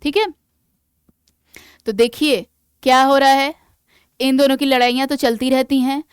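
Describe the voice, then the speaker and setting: A woman teaching English vocabulary in Hindi mixed with English, asking the class questions and reading definitions aloud slowly in an Indian English accent. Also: high voice, steady tone, no echo, clean studio sound. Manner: asks the class rhetorical questions. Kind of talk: online exam-prep lesson.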